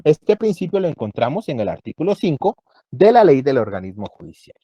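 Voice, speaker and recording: A man teaching a university law class, explaining each point slowly and checking in with his students again and again. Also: mid-range voice, very animated, mellow, breathy edge, dry recording, highs cut off. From Guatemala. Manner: explanatory, checks understanding with frequent "¿verdad?". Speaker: law lecturer. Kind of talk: university lecture.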